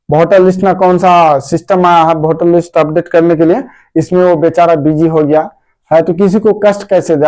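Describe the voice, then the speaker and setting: Guy a pretty high voice teaching grammar, fatherly, keeps calling students his dear kids, asks himself questions and answers. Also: mellow. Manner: fatherly, repetitive, addresses students as dear children. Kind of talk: informal grammar lesson.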